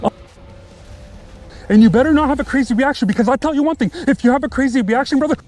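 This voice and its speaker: A young man filming a street confrontation, speaking insistently and repeating his orders to keep the other man calm. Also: extremely high pitch, fast, faint music behind. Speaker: streamer confronting a man on camera. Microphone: body camera.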